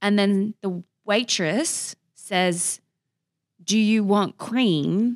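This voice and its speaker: On a very clean recording with a silent background and a dry, close sound with no echo, a woman with an Australian accent speaks at medium pitch and a very slow pace, with ordinary pitch variation and long, frequent pauses. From Australia, Queensland. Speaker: comedian. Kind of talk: casual chat. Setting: studio.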